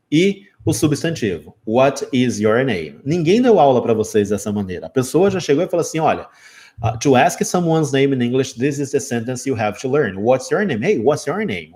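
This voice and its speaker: In his forties and speaking with a Brazilian Portuguese accent, this man has a mid-range, somewhat dark voice. He teaches English in a live online lesson, explaining things and frequently checking in with viewers by asking "ok?".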